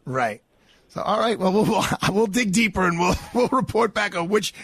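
A man, hosting a radio interview in a casual, conversational way with a husky voice. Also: high-pitched, animated, moderate pace, fairly bright tone, no echo. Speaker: radio talk show host.

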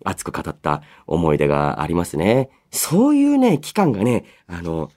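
A man's voice: low-pitched, very animated, normal speed, dark tone. A man in his thirties hosting a radio show solo, reading listener mail and musing aloud in a polite but casual way.

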